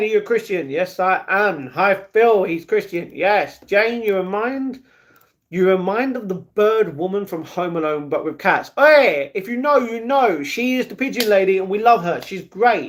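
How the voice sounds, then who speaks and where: Lively intonation marks a man's high voice in an English accent. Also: moderate pace. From England. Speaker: live streamer. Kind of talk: casual chat reading live comments.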